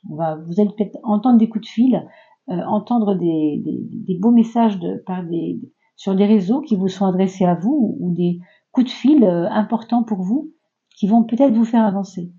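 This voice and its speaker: A woman's voice: medium pitch, normal speed, dark tone, dull audio. A woman giving a casual, reassuring tarot reading to her viewers, talking loosely with many fillers. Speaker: tarot reader.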